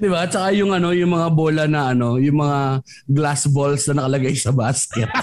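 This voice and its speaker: Audible room echo surrounds a man with a fairly high pitch who speaks at a moderate pace with very even loudness and ordinary pitch variation. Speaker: stand-up comedian and podcast host. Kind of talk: casual chat.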